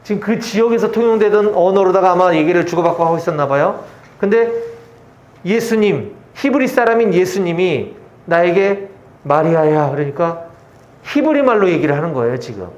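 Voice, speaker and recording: A man's voice: high-pitched, animated, a little fast, a little mellow. A pastor giving a chatty expository sermon at a church service, explaining a scripture passage and asking his listeners questions. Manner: conversational, asks the audience questions. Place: church service at a military base. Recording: echoey room, dull lo-fi sound.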